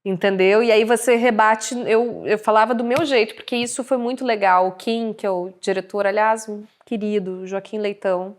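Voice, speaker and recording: An actress with a Brazilian Portuguese accent, a guest in a casual interview, telling stories in an animated way and laughing often. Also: female voice, medium pitch, moderate pace, few pauses.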